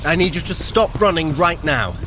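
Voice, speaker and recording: An actor playing a sardonic, bickering trickster god in an audio drama, with a dry, theatrically complaining manner. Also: male voice, on the high side, lively intonation, moderate pace, noisy background, natural voice. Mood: dry, urgent. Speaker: guide in a fitness adventure. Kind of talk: scripted audio drama acting.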